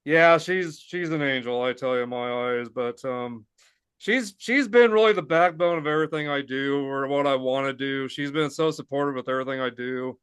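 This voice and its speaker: Smooth-voiced man in his fifties. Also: medium pitch, moderate pace, a bit bright, no echo. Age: 50s. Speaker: podcast host. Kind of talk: casual chat.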